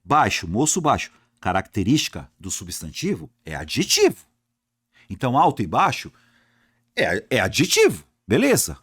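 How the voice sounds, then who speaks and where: A man's voice: medium pitch, normal speed, husky, no room sound. A man teaching an exam-prep grammar lesson, speaking straight to his students and asking himself questions. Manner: lively, talks to class directly, asks and answers himself.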